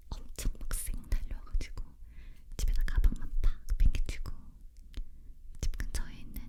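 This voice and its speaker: Woman, leaning in to whisper, breathy, unvoiced, ASMR storytelling, close-up mic. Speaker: ASMR creator telling a personal story. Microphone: close-up microphone.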